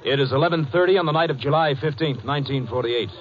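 A man's voice: on the high side, fast talker, soft background music. A man with an American accent narrating a 1950s radio drama in a formal, solemn, scripted style. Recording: muffled old radio broadcast.

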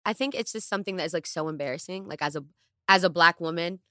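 Low-voiced candid woman podcaster. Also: fast, no room sound, studio quality. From the Bronx, New York. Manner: candid, animated, voice rising and dropping in bursts. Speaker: podcast co-host. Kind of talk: casual podcast chat. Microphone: studio podcast mic.

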